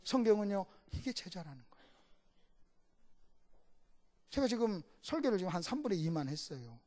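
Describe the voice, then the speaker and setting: A middle-aged male guest pastor delivers a sermon with a voice that rises and falls dramatically. He moves between fervent shouting and quiet, confiding asides. He acts out little voices and keeps asking the congregation questions. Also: high-pitched, normal speed. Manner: animated, swings between shouting and hushed asides.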